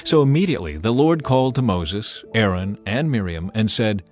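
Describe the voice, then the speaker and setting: A man narrating a dramatized Bible reading in a deliberate, solemn and expressive way. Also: fairly low pitch, faint music behind.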